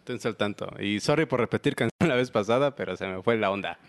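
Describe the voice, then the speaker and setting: A man's voice: on the low side, dry recording. A young man with a Mexican Spanish accent, co-hosting a podcast and telling stories in casual chat. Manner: quick, animated storyteller. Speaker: podcast co-host.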